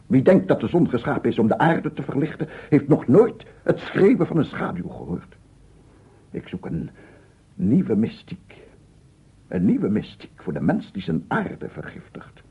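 An actor playing an unhinged, tormented scientist in a radio play, speaking haltingly and repetitively with a gravelly, husky voice. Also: male voice, medium pitch, very animated, exaggerated voice. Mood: fervent. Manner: halting, repetitive, rambling, from murmurs to loud declaiming. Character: unhinged, tormented male scientist, a visionary sound researcher. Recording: narrow, phone-like old radio recording.

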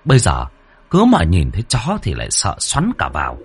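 A man narrating a scripted story with dramatic, expressive delivery. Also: sits low, moderate pace, background noise.

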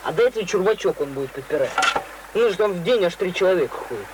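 Mischievous village boy for radio drama: high, lively, cheeky colloquial delivery, noisy tape. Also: quick pace. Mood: scheming, impatient. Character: mischievous, defiant village boy scheming pranks. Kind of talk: Russian radio play acting. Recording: noisy old radio play recording.

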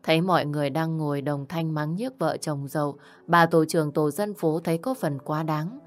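Low-voiced woman narrating a story. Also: normal speed. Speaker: audiobook narrator.

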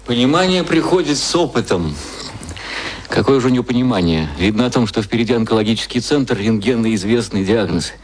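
A man's voice: mid-range voice, expressive, fairly quick, slightly rough, poor audio. An actor playing a sardonic man who scoffs mockingly at advertising.

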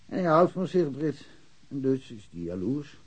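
Husky, chatty village policeman. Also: mid-range voice, sing-song, moderate pace. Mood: wry, knowing. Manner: talkative, colloquial, opinionated. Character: chatty, blunt village policeman, worldly-wise and sure of himself. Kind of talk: naturalistic radio drama dialogue.

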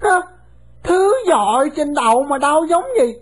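A woman's voice: high-pitched, lively intonation, pitched above the performer's own voice. A woman voicing a bold, mouthy young boy who talks back without fear. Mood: brash. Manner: brash, mouthy, quick to talk back. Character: bold, cheeky young boy, brash and fearless.

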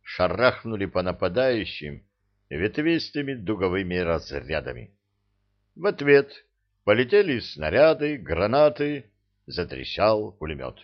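A man narrating an audiobook fantasy story in an animated, theatrical reading. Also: fairly low pitch, measured pace, lo-fi sound.

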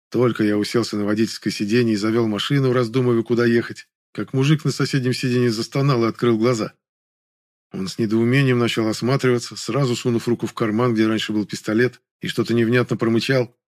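Calm man narrating an audiobook. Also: medium pitch, dry recording, studio quality. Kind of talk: first-person audiobook narration.

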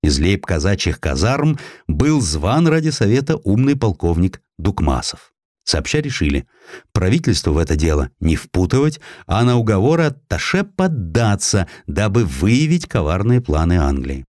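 A man's voice: fairly low pitch, a little mellow, no echo, studio quality. A man narrating a historical story as a dramatised audiobook, reading from a script.

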